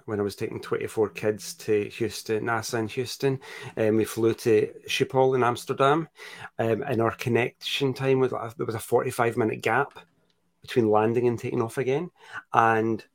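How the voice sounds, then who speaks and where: A Scottish man hosting a live podcast, chatting casually and playfully while reading out listener comments. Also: mid-range voice. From Scotland. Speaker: podcast host.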